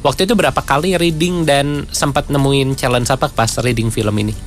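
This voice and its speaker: A man's voice: medium pitch, fairly even intonation, fairly quick, faint music behind. A man hosting a radio talk show, interviewing a guest with frequent short affirmations. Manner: chatty, many short affirming back-channels. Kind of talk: radio interview, friendly questioning.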